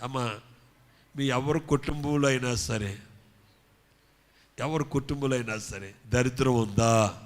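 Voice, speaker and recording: A man preaching a sermon, calling on the congregation to answer back and shouting praise. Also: mid-range voice, measured pace, long pauses. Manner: call-and-response preaching, shouting hallelujahs. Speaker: pastor.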